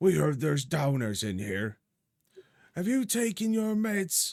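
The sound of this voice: Someone puts on a gruff character voice, speaking fairly slowly with very wide pitch swings. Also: man, fairly high pitch for a man.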